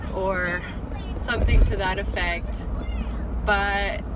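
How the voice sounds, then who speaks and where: A woman speaks at a very slow pace while music plays in the background. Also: dry sound with no echo. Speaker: family vlogger. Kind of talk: casual vlog chat. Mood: warm, reflective. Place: car. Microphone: phone near.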